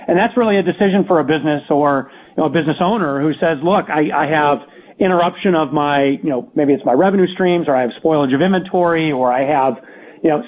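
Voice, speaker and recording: A man speaking as a company executive answering questions on an earnings call, halting and often restarting his phrases. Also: fairly high pitch, lo-fi sound. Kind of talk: unscripted business Q&A on an earnings call.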